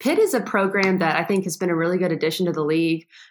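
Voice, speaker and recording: With an American accent, a woman uses an ordinary speaking voice at medium pitch with fairly even intonation. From Texas, Austin. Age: young. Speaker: sports broadcaster. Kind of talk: casual chat.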